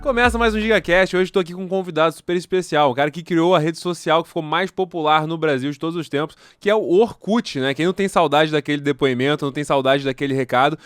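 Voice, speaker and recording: A man's voice: a little high, very fast, hardly any pauses, a bit bright, smooth, no echo, studio quality. A man with a Brazilian Portuguese accent hosting a podcast, asking enthusiastic, rambling questions full of likes and restarts. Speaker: podcast host. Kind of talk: podcast interview.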